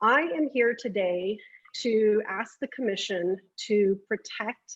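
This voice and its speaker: A woman speaks with a plain, everyday voice. Her pitch is fairly high, with ordinary variation. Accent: American. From Texas, San Antonio. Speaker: public commenter at a hearing. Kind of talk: public testimony.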